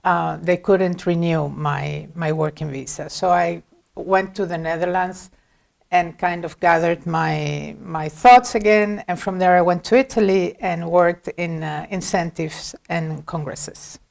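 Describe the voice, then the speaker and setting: A woman's voice: on the low side, fairly even intonation, unhurried, creaky, a little mellow. A middle-aged woman from Venezuela, a guest in an interview, giving long reflective answers with frequent hesitations. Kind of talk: conversational interview.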